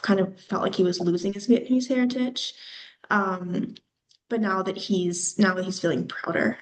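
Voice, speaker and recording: A woman presenting to an audience at a mid-range pitch. Her delivery is relaxed and conversational, with frequent fillers between her points. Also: rough recording. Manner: casual, filler-heavy explaining. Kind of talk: conference presentation.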